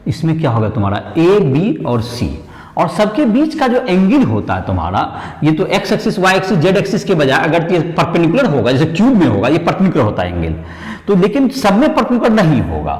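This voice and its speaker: Animated male chemistry tutor, echoey room. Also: fairly high pitch, brisk. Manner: repetitive rhetorical questions to students, Hindi-English mix. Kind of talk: classroom lecture. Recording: echoey room with long reverb.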